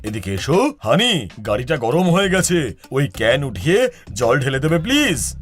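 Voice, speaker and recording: A man's voice: medium pitch, sing-song, faint music behind, close to an everyday voice. A man voicing a hot-tempered cartoon car owner. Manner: theatrical, quick to rage. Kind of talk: cartoon voice acting.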